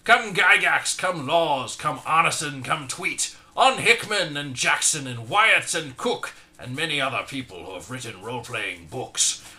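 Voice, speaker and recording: Bright-voiced man reading comic verse. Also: a little high, animated, measured pace, hardly any pauses. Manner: mock-dramatic, with sudden loud outbursts. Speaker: reader. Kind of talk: comic dramatic poem reading.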